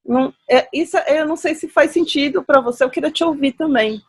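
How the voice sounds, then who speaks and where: A woman speaking as a guest in a conversational talk, reflective and growing animated when she acts out examples. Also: high-pitched, brisk. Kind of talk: conversational talk on nonviolent communication.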